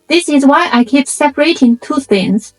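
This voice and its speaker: A woman from China with a Chinese accent and a Chinese dialect as her first language, narrating a reflective scripted video essay in measured, explanatory short phrases. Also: high-pitched, expressive, faint music behind, low-quality recording.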